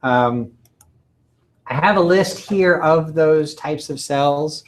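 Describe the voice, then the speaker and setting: Halting man lecturing with many ums. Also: a little high, rough recording. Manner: halting, many ums and uhs, frequent throat clearing. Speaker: college lecturer. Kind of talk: recorded lecture walking through slides.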